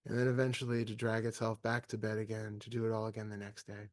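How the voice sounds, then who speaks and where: A man with a fairly low voice guides a meditation. He speaks calmly and deliberately, leaving long pauses between measured phrases. The sound is dry, with very little room around the voice. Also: no echo. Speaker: meditation teacher.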